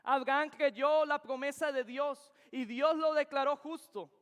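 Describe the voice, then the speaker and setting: Man, young adult, very high voice, earnest emphatic preaching, long church-hall reverb. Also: steady tone, measured pace, a bit bright. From Venezuela. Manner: earnest, emphatic, repeating key phrases. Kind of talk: sermon. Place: church sanctuary.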